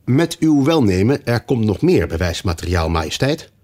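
A man doing a fussy, hurried white rabbit. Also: on the low side, big pitch swings, a little mellow. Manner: deferential, hurried. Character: fussy nervous white rabbit herald, male.

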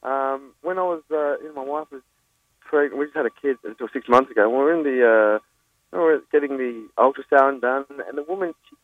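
A man rattles off stories at a brisk clip, stumbling over restarts and laughing as he goes. His voice comes down a thin, tinny phone line. The sound is dry, with no room around it. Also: mid-range voice, dry recording. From Australia. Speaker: guest comedian. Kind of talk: phone interview, anecdotes.

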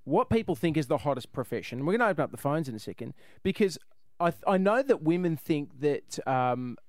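A man's voice: on the high side, big pitch swings, fairly quick, dry recording, studio quality. An Australian man hosting a radio show with casual, irreverent comedy banter and a jokey, rambling way of talking.

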